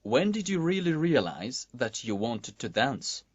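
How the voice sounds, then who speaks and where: A man's voice: mid-range voice, a little slow, breathy edge, no room sound. A man playing a polite magazine interviewer in a scripted listening-exam dialogue. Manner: polite, lively questioning. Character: male magazine interviewer, courteous. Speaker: interviewer in a textbook listening recording. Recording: dull lo-fi recording played in class.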